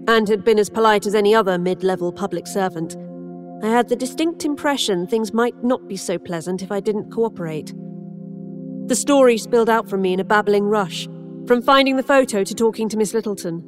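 A woman narrating a horror audio drama in first person, measured and introspective. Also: mid-range voice, soft background music. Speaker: narrator and lead character.

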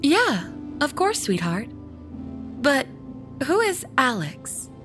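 An actress playing a caring, concerned wife who speaks gently and soothingly to her husband. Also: high voice, wildly swooping pitch, takes it slowly, music in the background, full character voice. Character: caring young wife named Mary.

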